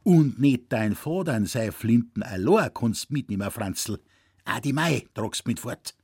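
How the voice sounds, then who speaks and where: Bent old Bavarian woodsman, read by a man, quavering, plaintive, with a husky dry voice. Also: mid-range voice, measured pace, no room sound. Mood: earnest. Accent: Bavarian dialect. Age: older. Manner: complaining, then effusive and excited. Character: stooped old Bavarian hunter, frail and lamenting.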